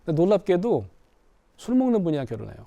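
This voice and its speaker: A middle-aged man, a counseling professor, explaining ideas in an animated storytelling manner. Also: high voice, fast talker, creaky, dry recording, dull audio. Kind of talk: explanatory talk to camera.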